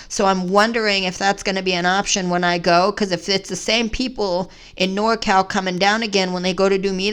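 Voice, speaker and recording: A man's voice: sits high, fairly bright tone, clear, resonant tone. A trans man in his twenties, telling a long story casually to the camera in a chatty, rambling way. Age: 20s. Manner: rambling, chatty, says "y'all". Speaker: vlogger.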